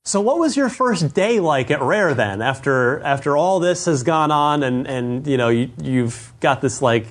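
A man hosting an interview, chiming in briefly and asking relaxed follow-up questions. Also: on the high side, unhurried, hardly any pauses. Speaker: interviewer, host. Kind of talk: casual interview.

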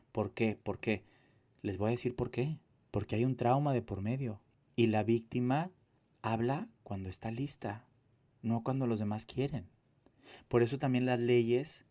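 A man's voice: mid-range voice, a little mellow. A man giving a personal testimony monologue, emphatic, with repetition and rhetorical questions. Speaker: activist and abuse survivor telling own story.

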